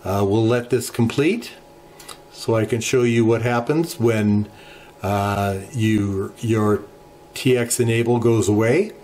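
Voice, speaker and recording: A middle-aged man hosting a ham radio channel, walking through software settings in an unhurried tutorial with many filler pauses, recorded at a desk in his home radio room. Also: on the low side, slight background noise. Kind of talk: screen-share software tutorial. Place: home radio shack, indoors.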